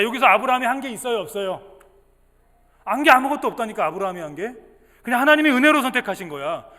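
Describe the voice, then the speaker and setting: A male pastor giving a lively sermon to children, acting out the story's voices and quizzing the kids. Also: extremely high pitch. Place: church sanctuary. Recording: long church hall reverb.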